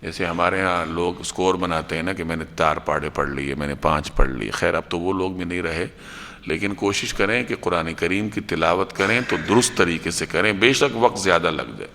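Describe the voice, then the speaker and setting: A man's voice: sits low, sharp tone, in a large hall, a little hiss or hum. A man giving a Quran lecture as a sermon, urging his listeners with rhetorical questions and repeated lists.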